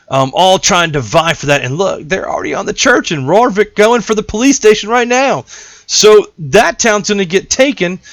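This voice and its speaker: A man hosts a casual gameplay tutorial in a fairly high voice with lively swings in pitch. He rambles and jokes as he explains. The sound is dry and close on a desktop mic. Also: dry recording. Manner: animated, rambling, jokey asides. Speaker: gaming channel host.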